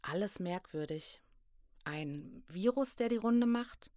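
An actress playing a serious, probing investigator in a German audio drama. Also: female voice, mid-range voice, animated, slow pace, warm tone, dry recording, clean studio sound. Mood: serious, pondering.

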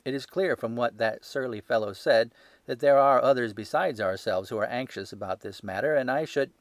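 A man doing a calm, assured Victorian detective. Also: mid-range voice, no echo, studio quality, close to an everyday voice. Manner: measured, bland, courteous. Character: calm, urbane male detective, bland and assured.

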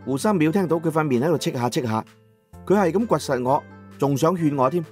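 A man with a Cantonese accent narrating a novel in the first person, in an expressive, dramatized storytelling manner. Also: a little high, fast talker, soft background music. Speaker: audiobook narrator.

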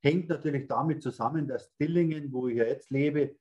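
An older man with a Bavarian accent, a guest on a video-call interview, telling lively stories about his plans. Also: fairly high pitch, fairly quick, slightly rough, dull audio. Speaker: guest, speaker agency founder. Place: indoors, in front of a red stage curtain backdrop.

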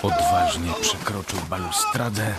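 A man's voice: lowish voice, huge pitch swings, unhurried, heavy background noise. A man narrating a radio drama in a dramatic, scripted storytelling style. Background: music.

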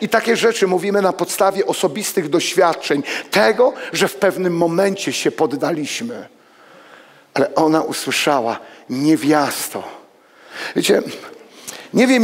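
A man in his sixties preaching a sermon to his congregation, walking among the pews and swinging between loud exclamations and hushed asides. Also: fairly high pitch, lively intonation, normal speed, breathy edge. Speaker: pastor. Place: church hall with pews and congregation. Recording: long reverb of a church hall.

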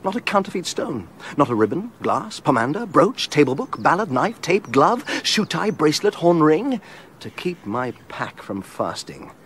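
Cheeky rogue peddler, boastful, lively swooping delivery, faint hiss behind. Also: male voice, on the high side, moderate pace. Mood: gleeful. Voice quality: gleeful, boastful, laughing. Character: roguish male peddler and pickpocket, gleeful. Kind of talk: classic radio drama acting.

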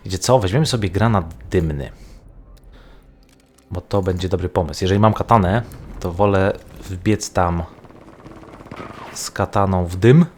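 Man, lowish voice, casual gameplay commentary, rambling, thinking aloud, noisy game sounds behind. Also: unhurried, long pauses. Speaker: gaming video host.

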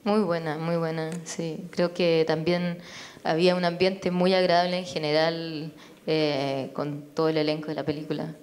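A woman in her thirties with a Chilean accent, an actress giving short, soft-spoken answers into a handheld mic in a small festival room. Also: low-pitched, level tone, moderate pace. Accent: Chilean Spanish. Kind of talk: festival press interview.

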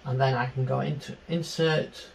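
A middle-aged man giving an informal, unscripted tutorial on music software, explaining step by step into a handheld microphone in a small home studio. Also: mid-range voice, steady tone, moderate pace, creaky, slight background noise. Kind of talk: informal screen-share tutorial.

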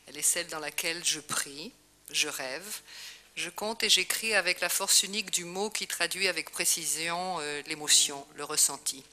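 A woman's voice: low voice, moderate pace, bright, forceful tone. A woman giving an earnest, personal prepared speech at a conference. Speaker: conference speaker. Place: conference hall.

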